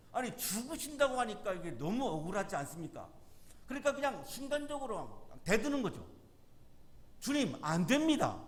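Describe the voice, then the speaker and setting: A man's voice: sits high, a bit bright. A man preaching a sermon in a university chapel, explaining scripture and acting out quoted lines with force. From South Korea. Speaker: chaplain preaching.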